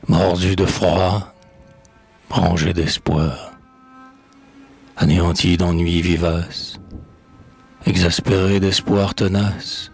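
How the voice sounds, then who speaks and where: A man reciting poetry in a solemn, dramatic style, with measured phrasing and a husky, gravelly voice that drops into breathy near-whispers. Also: deep voice. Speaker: poet reading poems aloud.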